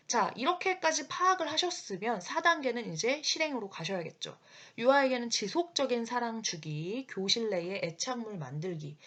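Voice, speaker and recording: A woman who teaches early childhood education gives an explanatory lecture on childcare in a lively, breathy, mid-range voice. She often breaks into quick acted quotes of parents and children.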